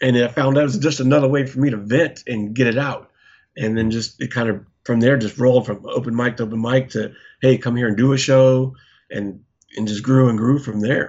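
Fairly quick speech from a man at medium pitch, with fairly even intonation. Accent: American. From California, San Jose area. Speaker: war veteran and stand-up comedian. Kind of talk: casual interview chat.

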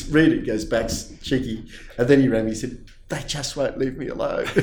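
Fairly quick speech from a man with a dark, mellow tone, plus audible room echo. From Australia, Brisbane; born in Leeds, England. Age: 50s. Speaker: finance company co-founder. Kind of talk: interview.

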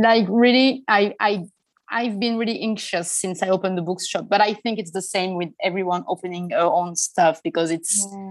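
A woman talks with a French accent. Her pace is moderate and her pitch variation ordinary. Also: medium pitch for a woman. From France. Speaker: bookshop owner. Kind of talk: interview.

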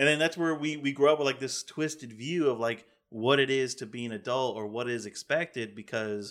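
Recorded very cleanly with a silent background, a man talks at a fairly quick pace in an ordinary speaking voice. His pitch is medium, with ordinary pitch variation. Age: 30s. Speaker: podcast host. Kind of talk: casual interview chat.

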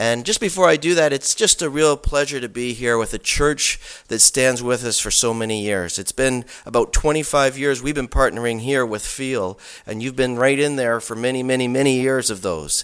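A man with a Canadian accent talks at a moderate pace in a plain, everyday voice, medium in pitch with ordinary pitch variation. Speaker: mission organization representative. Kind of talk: church talk introducing a ministry. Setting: church.

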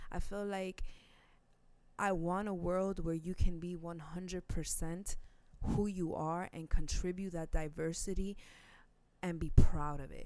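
With a New York accent, a woman speaks very slowly in a flat monotone, her fairly low voice dark and mellow in tone. Long, frequent pauses and big swings in loudness mark her delivery. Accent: heavy New York. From New York, Queens. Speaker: podcast host. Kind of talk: solo monologue. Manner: passionate, conversational.

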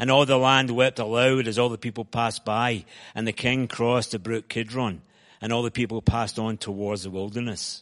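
Against a quiet background, a man speaks with a Glaswegian accent at medium pitch. His pace is fairly quick and his intonation fairly even. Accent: Glaswegian Scottish. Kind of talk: reading scripture aloud.

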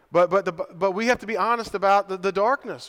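A man's high-pitched voice with an American accent, very fast, in a dry, close sound with no echo. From southern West Virginia. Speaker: pastor. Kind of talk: sermon.

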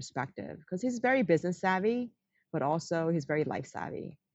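Here a woman talks with a Korean accent. Her intonation is lively. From South Korea, Gyeonggi-do province, until age 14. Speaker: real estate executive. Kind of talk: interview.

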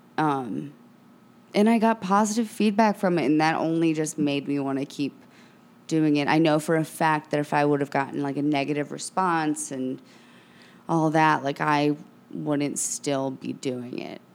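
With an American accent, a woman speaks at a moderate pace in a very deep, low voice with ordinary pitch variation. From St. Louis, Missouri. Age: 20s. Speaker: stand-up comedian. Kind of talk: casual interview chat.

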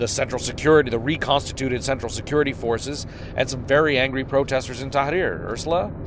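A man's voice sits at a medium pitch and varies in pitch in an ordinary way, with noticeable noise behind it. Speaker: journalist podcaster. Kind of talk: casual chat. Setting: in a car.

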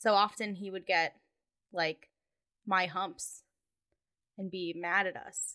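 Talking at a very slow pace, a woman leaves long, frequent pauses and swings widely in loudness. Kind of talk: casual chat. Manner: animated.

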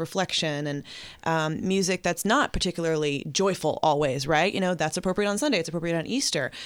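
On a very clean recording with a silent background, a woman with a plain, everyday voice speaks at a fairly quick pace in a fairly low pitch, with ordinary pitch variation. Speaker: podcast co-host. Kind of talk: casual conversation about faith and theology. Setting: studio.

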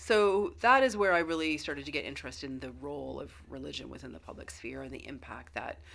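A woman with a Canadian accent talks at a fairly quick pace. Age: 40s. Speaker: graduate student in history. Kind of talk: interview.

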